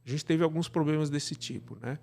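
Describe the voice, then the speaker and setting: A Brazilian man talks as a guest in an interview, explaining his work as a director. His voice sits a bit high for a man and carries a lot of gravelly fry. He often ends phrases with small tags seeking agreement. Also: brisk, darkish tone.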